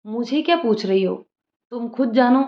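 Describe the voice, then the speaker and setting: A woman voicing a lively young woman, an outspoken sister-in-law who jokes and bosses others around. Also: a little high, moderate pace, close to an everyday voice. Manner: bossy, joking, outspoken. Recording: roomy lo-fi room sound.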